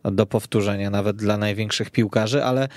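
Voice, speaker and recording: A man's voice: lowish voice, fairly even intonation, brisk, a little mellow, no echo. A man speaking as a panelist in a casual sports discussion, recorded in a radio studio. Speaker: football podcast panelist.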